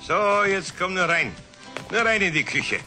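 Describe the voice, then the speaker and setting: Casting: welcoming man in a TV series; forceful bright tone, swooping pitch, music behind. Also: lively intonation, unhurried, full character voice. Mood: inviting, approving. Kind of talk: scripted TV series dialogue.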